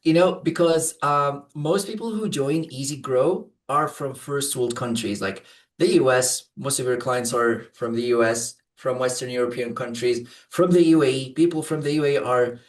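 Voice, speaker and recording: A man raised in Saudi Arabia, whose first language is Arabic, answers interview questions as a program client and English teacher. His mid-range voice moves at a moderate pace from far off the mic, and he hesitates often with fillers and restarts.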